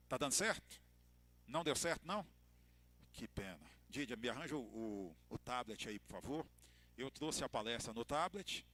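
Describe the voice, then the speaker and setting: A man with a Brazilian Portuguese accent, a pastor giving a church lecture to couples, telling stories with expressive emphasis and light humor. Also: medium pitch.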